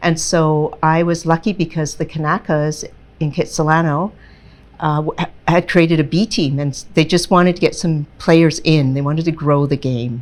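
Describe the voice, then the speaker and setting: Speaking with a Canadian accent, a woman has a very deep, low pitch. She keeps a moderate pace and fairly even intonation. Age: 60s. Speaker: women's hockey player. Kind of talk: interview.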